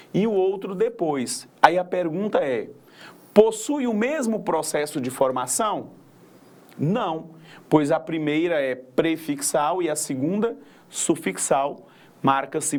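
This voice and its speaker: A man with a Brazilian accent, his voice sitting somewhat high, walks through a recorded grammar and poetry lesson. He explains things patiently, step by step, and keeps checking in with little tag questions. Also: darkish tone. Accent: Brazilian Portuguese. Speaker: teacher.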